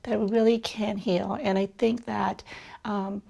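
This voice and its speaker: A middle-aged woman physician from Burma speaks in a relaxed interview. Her voice carries a gravelly, fry-tinged texture. She pauses often and circles back to her words as she thinks aloud. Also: mid-range voice, lo-fi sound. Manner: thoughtful, many fillers and restarts. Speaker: physician guest. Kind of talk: conversational interview.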